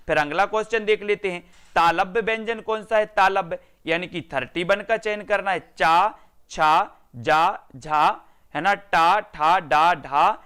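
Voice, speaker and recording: Bright, clear-voiced male Hindi teacher. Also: a little high. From India. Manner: repetitive, addresses students by name, answers own questions. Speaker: exam-prep Hindi teacher. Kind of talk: online class lesson.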